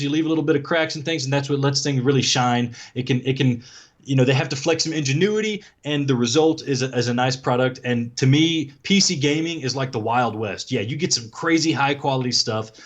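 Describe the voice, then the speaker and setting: Male guest with a deep voice, musing and modest, restarting his sentences. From South Dakota. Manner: thoughtful, self-deprecating, frequent restarts. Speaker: podcast guest. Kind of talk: casual chat.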